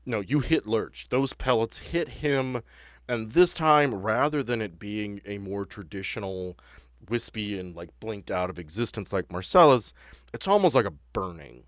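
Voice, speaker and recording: Low-pitched man running a tabletop game. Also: lively intonation, unhurried, a bit bright, no echo. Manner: descriptive, explanatory. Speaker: game master. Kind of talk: narrating a tabletop game, conversational.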